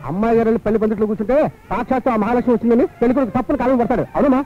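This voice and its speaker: A young man acting as a chatty, flattering servant in a film scene. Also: very high voice. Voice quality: rapid, flattering. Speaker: film hero. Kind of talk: Telugu film dialogue. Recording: tinny lo-fi film soundtrack, music.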